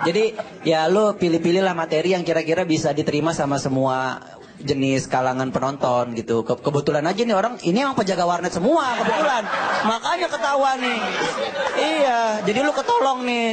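A man with a high voice gives blunt, joking notes to a comic in casual slang. An audience laughs clearly in the TV studio around him. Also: fairly quick, a crowd in the background, noisy background. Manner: joking, candid critique in slang. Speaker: comedy show judge. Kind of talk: giving feedback on a set.

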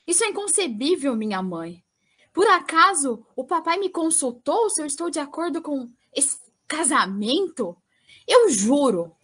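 Woman as defiant Brazilian young princess, audio drama. High voice, very animated, indignant. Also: a little slow, exaggerated voice. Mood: outraged, defiant. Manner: theatrical, defiant. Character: indignant, headstrong young princess refusing an arranged marriage. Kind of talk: comedic audio drama acting.

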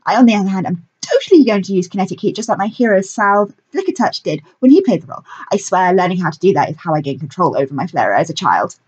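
A woman voicing an excitable young female fire pixie in a storybook reading, gushing and breathless. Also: fairly low pitch, quick pace, hardly any pauses, husky, dull audio.

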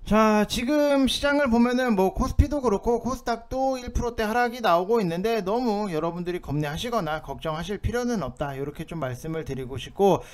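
A man's voice: high voice, animated, brisk, few pauses. A man hosting an informal stock market commentary, explaining things in an insistent, somewhat urgent way. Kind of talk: informal market commentary over on-screen notes.

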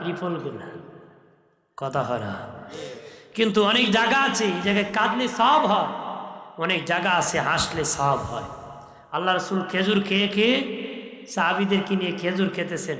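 Male preacher, sermon delivery, bright and tense, long hall reverb. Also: high-pitched, animated, normal speed, pauses often. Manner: switches to a melodic chanting delivery; dialect-flavoured Bengali storytelling. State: feeling unwell, speaking softly.

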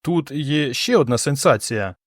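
A man voicing a gentle, thoughtful young woman with a soft, slightly sad manner in an audiobook. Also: medium pitch, expressive, a little fast, no echo, studio quality, close to an everyday voice. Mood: wistful. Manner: soft, wistful.

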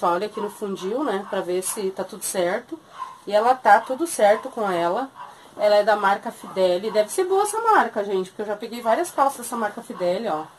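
A woman's voice: medium pitch, slight background noise. A woman in her thirties with a southern Brazilian accent, chatting casually as she shows and prices secondhand clothes in a small shop. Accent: southern Brazilian Portuguese. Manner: chatty, keeps calling viewers "gente". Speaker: thrift shop seller. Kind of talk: casual sales video.

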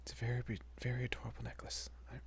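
A man playing a shy, nervous young vampire father in a romantic audio roleplay, stammering and soft-spoken, often dropping to a near-whisper. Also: mid-range voice, completely flat delivery, very fast, close to an everyday voice. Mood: shy, touched.

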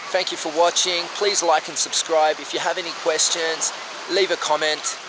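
A man's voice: fairly high pitch, moderate pace. Chatty man vlogging outdoors, noisy. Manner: relaxed, chatty, candid. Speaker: travel vlogger. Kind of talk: casual walking tour vlog. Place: outdoors on a coastal bush path and beach. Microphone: camera held at arm's length. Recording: outdoor noise behind voice.

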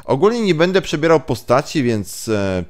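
A man's voice: a little high, very animated, moderate pace. A man hosting a let's play with casual, muttering, sweary gameplay commentary, slipping into English at times. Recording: game music behind.

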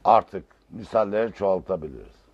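A man's voice: deep voice, animated, a little fast, breathy edge, no room sound. A man giving a religious lecture in an emphatic, rising and falling way, using learned, old-fashioned vocabulary. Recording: dull lo-fi recording.

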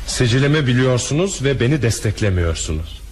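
A man's voice: mid-range voice, big pitch swings, brisk, natural voice. A man acting a proud, bitter hotel owner with a vengeful streak in a crime radio drama. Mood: bitter, menacing. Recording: faintly noisy radio drama recording.

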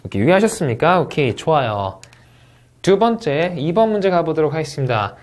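A man delivers a recorded test-prep English lecture. His pitch swings widely as he talks, and he draws out the English practice words slowly and deliberately. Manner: lively, animated delivery, stretching out English model words slowly.

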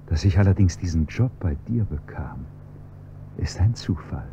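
An actor playing a smooth, insinuating man posing as a hired servant in a radio crime play. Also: deep voice, expressive, moderate pace, warm tone. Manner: suave, insinuating, mock-polite. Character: smooth menacing servant blackmailer. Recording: dull lo-fi radio recording with faint hum.

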